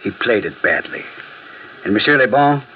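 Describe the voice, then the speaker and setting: A man's voice: on the low side, expressive, normal speed, narrow, tinny audio, slight background noise, close to an everyday voice. Dry ironic detective, man acting it, old radio sound. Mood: narrating. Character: dry, sardonic male detective narrator. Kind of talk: radio play narration and acting.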